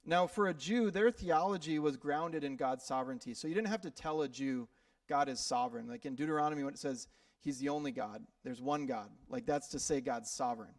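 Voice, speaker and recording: Conversational pastor from Minnesota. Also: male voice, medium pitch, brisk, dry recording, clean studio sound, far from the mic. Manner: conversational preaching with frequent fillers and repeated words. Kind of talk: sermon. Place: church sanctuary.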